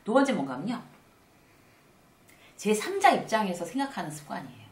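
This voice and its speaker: Middle-aged woman lecturer, chatty and animated, slightly distant roomy sound. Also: mid-range voice, fairly quick. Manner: conversational, acts out little dialogues with animated asides. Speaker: workplace lecturer and author. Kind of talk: casual spoken lecture.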